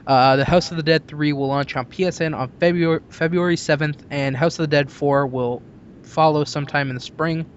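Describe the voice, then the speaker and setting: A man's voice: on the high side, fairly even intonation, a little fast. A young man hosting a casual discussion of gaming news. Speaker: podcast host. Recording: muffled audio with faint background noise.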